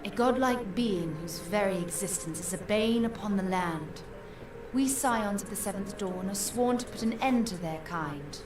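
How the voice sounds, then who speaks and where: An actress playing a composed, dutiful advisor in a fantasy game, speaking formally and deliberately in archaic phrases. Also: female voice, medium pitch, lively intonation, natural voice. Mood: composed, urgent. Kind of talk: fantasy video game voice acting. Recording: echoey distant game audio with noise.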